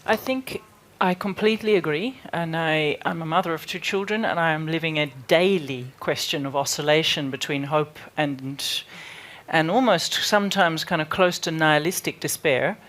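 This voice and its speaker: A woman's voice: deep voice, moderate pace, fairly bright tone. A woman and mother of two speaking reflectively on a panel, building long, searching lists of ideas. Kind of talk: panel discussion.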